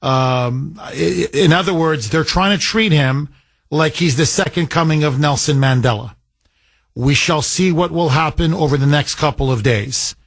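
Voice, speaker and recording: A man's voice: a little high, unhurried, no room sound. A man hosting a talk radio show, taking callers and delivering emphatic commentary with repeated words.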